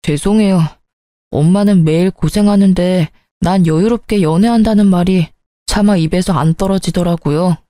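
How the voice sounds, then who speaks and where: A woman voicing an earnest young adult son who turns sharp and irritable, speaking in clipped, pleading sentences. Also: fairly low pitch, moderate pace, no room sound, lightly acted.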